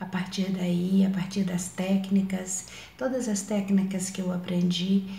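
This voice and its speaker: A woman speaks at a fairly slow pace in a flat monotone, with audible echo in the room. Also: medium pitch for a woman. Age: 70s. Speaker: retired sales promoter, course participant. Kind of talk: testimony.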